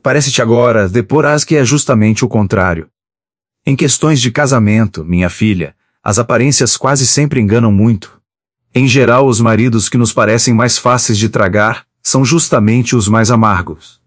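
A man voicing a stern older mother who lectures her daughter about marriage, in a measured storybook reading. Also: mid-range voice, dry recording, clean studio sound, lightly acted. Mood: lecturing.

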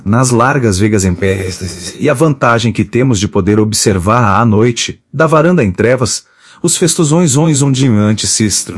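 A man reading a book of letters aloud in a steady, measured way, reading the page headings out too. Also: lowish voice, dry recording, clean studio sound. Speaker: audiobook reader.

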